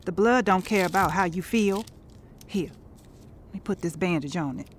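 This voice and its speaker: An actress in an audio drama playing a sharp-tongued, indignant, sardonic woman with salty, sassy Black American vernacular. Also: on the low side, normal speed, slight background noise, natural voice. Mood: sardonic, teasing. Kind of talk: naturalistic audio drama acting.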